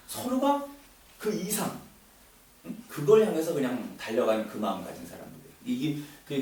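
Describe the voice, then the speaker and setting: A man with a medium-pitched, gravelly, somewhat dark voice gives an audience a casual lecture, speaking conversationally with lots of fillers and repeated words. The room is very echoey, the mic distant, and there's faint noise.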